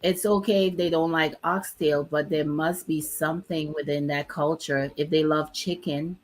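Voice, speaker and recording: Low-voiced woman, host of a laid-back chat; talkative, laughs easily. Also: steady tone. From Dominica. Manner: chatty, laughs often, drawn-out emphasis. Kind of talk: casual chat.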